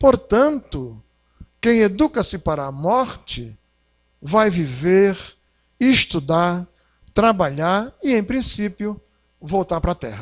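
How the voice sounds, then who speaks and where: A man with a high pitch moves through very wide pitch swings. He talks at a very slow pace, with long, frequent pauses. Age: 60s. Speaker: spiritist lecturer. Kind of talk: religious lecture. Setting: spiritist center hall with audience. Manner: animated.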